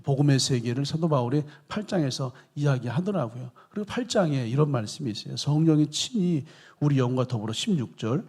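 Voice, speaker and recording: A man's voice: medium pitch, animated, a little fast, hardly any pauses, darkish tone, slightly rough. A man pastor preaching a sermon in church, earnest and repeating quoted scripture for emphasis.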